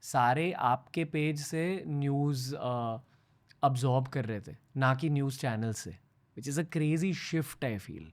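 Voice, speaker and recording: A man's voice: medium pitch, takes it slowly. Curious male podcast host. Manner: relaxed and curious, mixing Hindi and English. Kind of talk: casual interview questions.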